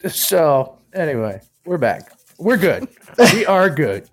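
A grumpy man co-hosts a casual podcast chat, cursing heavily as he talks. His voice runs high and moves animatedly up and down. He is speaking over a video call. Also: very animated, slow pace. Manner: grumpy, heavy swearing. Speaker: podcast co-host.

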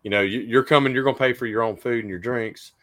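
A man's voice: medium pitch, fairly even intonation, fast, a bit bright. A man with an American accent hosting a casual podcast chat. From United States. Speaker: podcast host.

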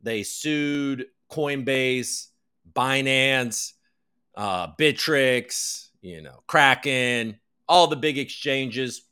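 A man's voice: mid-range voice, extremely slow, sharp tone, clean tone. A man hosting a crypto news livestream, chatting casually in a rambling, self-deprecating way and swearing freely. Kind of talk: casual chat.

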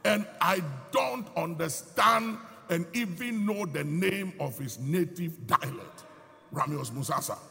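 Taking it slowly, a man preaches an emphatic sermon in a slightly high voice that's both gravelly and bright. A large hall adds a long, ringing reverb.

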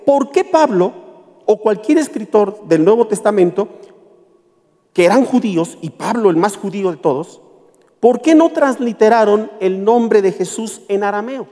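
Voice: mid-range voice, lively intonation, normal speed, warm tone. A preacher delivering an emphatic sermon and firing rhetorical questions at the congregation in a church hall. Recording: echoey hall with faint music.

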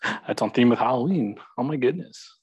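Young male co-host, animated and teasing, dry close-mic sound. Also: medium pitch, moderate pace, breathy edge, no room sound. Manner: playful, teasing. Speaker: podcast co-host. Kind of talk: casual chat.

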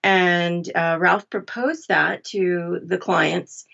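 Female interview guest, lower-than-average pitch, casual explanatory delivery, mildly lo-fi recording. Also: steady tone, slow, gravelly, sharp tone. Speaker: interview guest, audiobook narrator.

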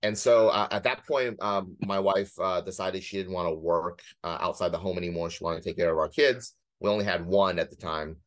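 A man in his thirties with a very low-pitched voice tells his own story in casual conversation. He is matter-of-fact and dryly self-deprecating, like a guest laying out his career path. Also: a little fast, hardly any pauses. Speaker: guest, former corporate lawyer.

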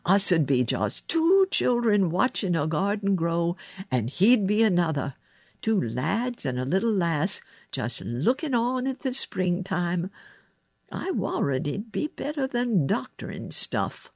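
Female reader doing a rustic lad, gentle, plain-spoken, animal-loving, storybook character, unhurried, lilting range. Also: on the low side, very animated, creaky, no echo, voice pushed up, heavily acted. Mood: kindly, hopeful. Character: gentle, earthy country lad who loves animals.

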